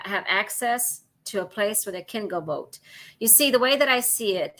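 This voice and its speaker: Bright-voiced Texan woman. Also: mid-range voice. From Houston, Texas. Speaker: guest commentator. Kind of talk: casual political talk radio.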